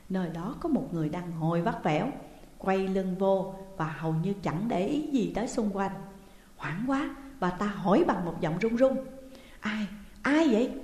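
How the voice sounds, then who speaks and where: A woman narrating an audio story in a steady, expressive way, with a roomy echo and long reverb. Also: mid-range voice.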